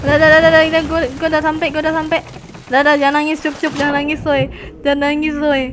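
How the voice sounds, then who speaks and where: A woman's voice: high-pitched, monotone, rapid-fire, noisy background. A young woman streaming a game, laughing often and sighing in exasperation at her teammate. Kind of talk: casual live-stream chat.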